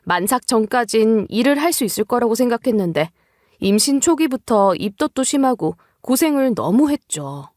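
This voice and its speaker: A woman's voice: on the high side, sing-song, normal speed, darkish tone, no echo, clean studio sound. A woman reading a scripted first-person story as its narrator.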